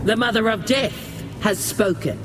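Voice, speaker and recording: An actor playing a solemn, reverent tribal herald, formal and ceremonial, in a fantasy video game. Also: male voice, sits high, expressive, normal speed, over music.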